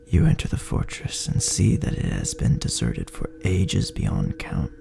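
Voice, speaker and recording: Deep gravelly man, breathy near-whispers, slow ominous horror narration, dramatic drawn-out phrasing, music behind. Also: wildly swooping pitch. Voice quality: gravelly, breathy, often dropping toward a whisper. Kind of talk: scripted dramatic sci-fi horror story narration in second person.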